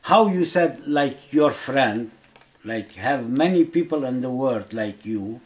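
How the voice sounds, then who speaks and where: Male interviewer, Kurdish accent, unhurried and halting, simple non-native phrasing, casual delivery. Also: medium pitch, expressive.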